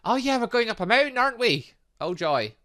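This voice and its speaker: A man's voice: very high voice, very animated, fairly quick, pushed and bright. A man hosting a gaming channel, giving let's play commentary on a visual novel with dramatic, exclaiming reactions.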